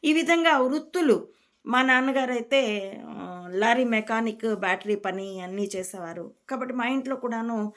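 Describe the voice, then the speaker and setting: A woman from Rayalaseema, a spiritual teacher, giving a calm, reflective discourse to her followers. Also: on the high side, normal speed. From Rayalaseema, India.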